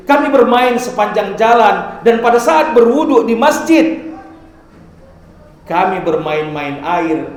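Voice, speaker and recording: A man giving a Friday sermon in a mosque, slowing down for drawn-out Quranic recitation. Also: high voice. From Indonesia. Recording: echoey mosque hall.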